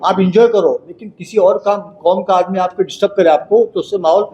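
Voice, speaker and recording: A man's voice: high-pitched, fairly even intonation, fast, warm tone, dull audio, slight background noise. A man answering reporters at a press conference, explaining his objection emphatically. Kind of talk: impromptu explanation.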